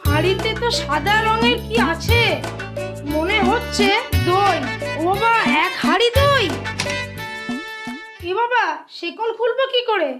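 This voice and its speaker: A woman voicing a curious, excitable small child in a children's cartoon, wide-eyed and exaggerated in delivery. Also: very high-pitched, takes it slowly, pauses often, heavily acted. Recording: loud music behind the voice.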